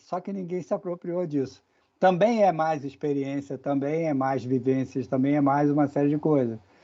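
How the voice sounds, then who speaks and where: Here is a man with a plain, everyday voice. His pitch is fairly high, and he moves at a moderate pace. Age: 60s. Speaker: marketing strategy executive. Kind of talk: interview.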